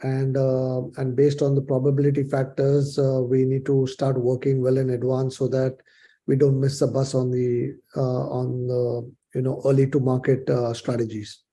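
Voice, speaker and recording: Halting, very mellow male executive. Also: mid-range voice, monotone. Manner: halting, hesitant, measured phrasing. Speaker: company executive answering analysts. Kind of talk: earnings call answers.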